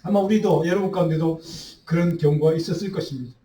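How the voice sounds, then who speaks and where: A mellow, fairly high-pitched man talks quickly as he preaches an earnest midweek Bible study sermon full of rhetorical questions. The pastor sounds distant in the echoing church sanctuary, with a little hiss or hum.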